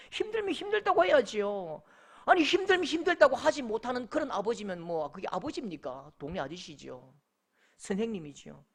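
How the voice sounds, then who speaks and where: Korean pastor guy w/ gyeongsang accent, sermon, voice bouncing all over, really into the story. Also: high voice. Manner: animated, emotive storytelling preacher.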